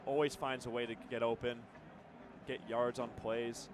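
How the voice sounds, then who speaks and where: A man's voice: medium pitch, little pitch movement, normal speed, noisy background. A young man with an American accent giving conversational live football analysis on radio, now and then stumbling over words. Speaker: color commentator.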